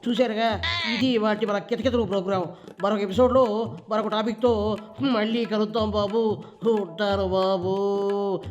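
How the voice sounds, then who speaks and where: A man's voice: sits high, flat delivery, a little slow. A man hosting a satirical comedy segment, teasing in a sing-song way. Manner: teasing, sing-song, keeps tacking on a fond "babu". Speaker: satirical show host. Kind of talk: mocking comedy commentary. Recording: dull lo-fi voice-over with background music.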